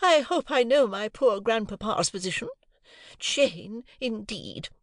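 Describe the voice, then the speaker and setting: A haughty, imperious gentlewoman who speaks high and shrill, as a male narrator puts her on, full of wounded dignity. The recording is dry and close. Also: lively intonation, measured pace, dry recording. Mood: indignant. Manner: shrill, indignant and affronted.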